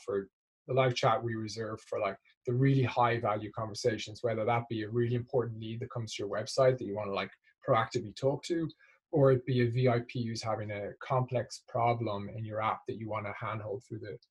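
A man's voice: on the low side, steady tone, brisk, husky. A man speaking as an executive guest in a business interview, explaining conversationally and often checking in with tag questions.

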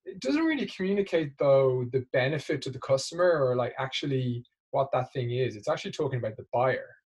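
Male executive guest, mid-pitched and slightly rough-voiced, conversational explainer who keeps checking the listener follows. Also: lively intonation, fairly quick, darkish tone. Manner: explanatory, often seeks agreement with tag questions. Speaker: interview guest, marketing executive. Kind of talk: conversational business interview.

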